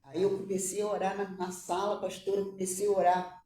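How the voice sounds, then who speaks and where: Halting, tearful woman giving testimony. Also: mid-range voice, level tone, warm tone, echoey room, recorded from a distance, slight background noise. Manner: halting, repeats words, tearful at times. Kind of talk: emotional religious testimony.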